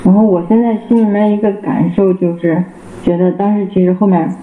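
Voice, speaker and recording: A man giving a personal church testimony, halting and repeating himself with many fillers. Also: sits high, steady tone, narrow, tinny audio. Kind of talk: casual spoken personal testimony. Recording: roomy with faint background noise.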